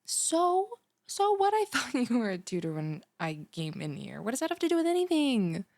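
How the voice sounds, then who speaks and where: A woman's voice: on the high side, big pitch swings, moderate pace, darkish tone, dry recording, clean studio sound. A young woman playing a bubbly, ditzy, easily offended student who gushes and rambles in a one-sided audio roleplay. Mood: offended, flustered. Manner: gushing, rambling, dramatic gasps and sighs.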